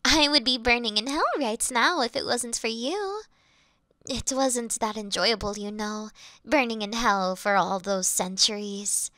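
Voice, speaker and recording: A woman voicing a flirty yandere female demon familiar who speaks to her mistress in a soft, adoring, sweetly fanatical way. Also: on the high side, measured pace, dry recording. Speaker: voice actress in audio roleplay. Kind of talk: scripted audio roleplay.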